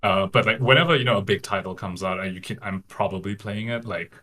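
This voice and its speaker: A man's voice: on the low side, fast, sharp tone. A man in his late twenties from Singapore, chatting casually and loosely as an interview guest on a video call. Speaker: podcast guest, card game player. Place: small home room, indoors.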